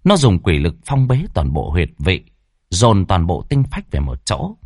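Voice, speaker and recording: A man's voice: low-pitched, huge pitch swings, a little slow, darkish tone, breathy edge, no echo, studio quality. A man telling a horror story in a vivid, dramatic narrating voice.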